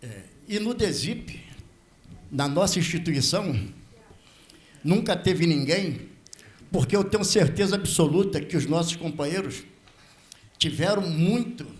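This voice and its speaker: An elderly Brazilian man with a slightly high voice addresses a legislative hearing. He speaks as a veteran officer from the floor, formally and deferentially, stopping and repeating himself as he builds his points. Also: animated, a little slow, pauses often. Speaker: veteran prison officer speaking as a member of the public. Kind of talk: impromptu speech at a legislative hearing.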